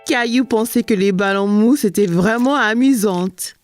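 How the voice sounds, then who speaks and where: A woman narrating a children's cartoon in a gentle, clear storybook manner. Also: medium pitch, normal speed, no room sound, soft background music.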